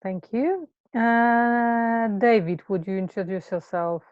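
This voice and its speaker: A woman's voice: on the high side, slow pace, smooth, no echo, phone-quality sound. A woman with a Polish accent leading an online group call, speaking hesitantly with many fillers. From Poland. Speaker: facilitator. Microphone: video call.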